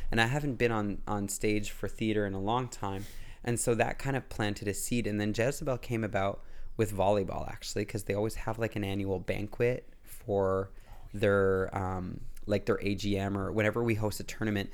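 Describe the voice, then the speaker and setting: A man speaks in a normal speaking voice with a fairly low pitch. His pace is moderate and his intonation fairly even. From Canada, Simcoe County Ontario (French-Canadian family). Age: 30s. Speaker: drag performer. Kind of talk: casual interview.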